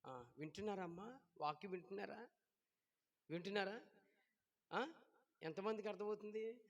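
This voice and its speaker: A pastor preaching a sermon, who keeps asking his congregation questions and shouts at times. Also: sits high, moderate pace, in a large hall, muffled recording.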